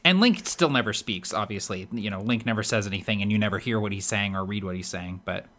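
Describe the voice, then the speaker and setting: A man with a high voice, co-hosting a podcast in casual chat, talkative and laughing often with lots of fillers. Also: fast, fairly bright tone. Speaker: podcast co-host.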